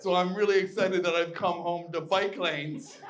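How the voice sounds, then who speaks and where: Someone with a Nova Scotian accent speaks at a fairly slow pace. Noticeable background noise and audible room echo fill the recording. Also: man. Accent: Nova Scotian Canadian English. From eastern Canada, Dartmouth side of Halifax, Nova Scotia. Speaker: stand-up comedian. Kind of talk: stand-up. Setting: stage with audience. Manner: animated.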